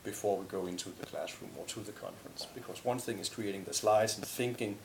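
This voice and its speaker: A man's voice: fairly low pitch, steady tone, fast talker, gravelly, noisy background. A man who is a university lecturer and a native Danish speaker, speaking reflectively in a group discussion with many hesitant restarts.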